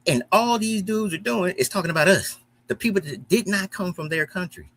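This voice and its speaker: A man's voice: sits high, a little fast, fairly bright tone, a little hiss or hum. An American man giving heated, profane reaction commentary with an African American accent, repeating himself as he gets worked up. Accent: African American English. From United States. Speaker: commentary host.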